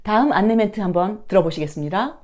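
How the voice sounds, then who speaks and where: An English teacher and video host delivers an instructional lesson in a fast, animated, mid-range voice with a darkish tone. She explains things politely and pronounces example phrases with care.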